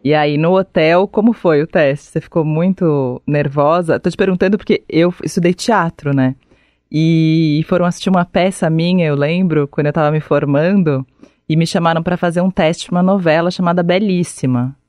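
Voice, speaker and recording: A woman hosts a music interview and chats easily with her guest. Her voice sits a little low. It is recorded close and dry, with no room sound. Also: moderate pace, a little mellow, no echo. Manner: chatty, asks short questions and tells anecdotes. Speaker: interviewer and host. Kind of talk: radio interview.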